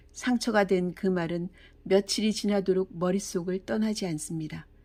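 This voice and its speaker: Heard on a very clean recording with a silent background, a woman of medium pitch speaks at a moderate pace in a calm tone that is dark and mellow, with ordinary pitch variation. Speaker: audiobook narrator. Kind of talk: sleep audiobook reading. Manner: soft-spoken, calm.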